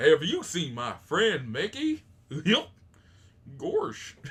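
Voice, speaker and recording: Using a cartoonish character voice, a man speaks at a very slow pace. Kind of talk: cartoon voice. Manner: goofy.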